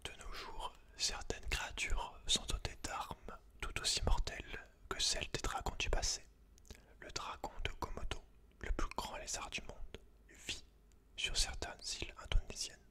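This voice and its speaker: A man whispering in a breathy, unvoiced voice as an ASMR host, reading aloud and adding informal, slangy asides to the listener. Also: a little slow, bright, forceful tone.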